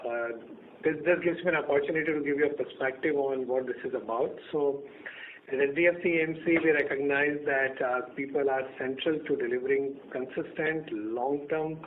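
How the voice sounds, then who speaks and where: Male executive, medium pitch, measured but halting answers, narrow phone-quality audio. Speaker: company executive. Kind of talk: answering analyst questions. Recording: noisy narrow phone-line call.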